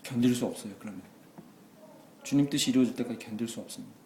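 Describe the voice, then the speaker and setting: Male pastor, mid pitch, animated sermon delivery, roomy echoing sanctuary. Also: fast. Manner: animated, swings from quiet asides to loud exclamations. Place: church sanctuary. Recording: echoey church hall.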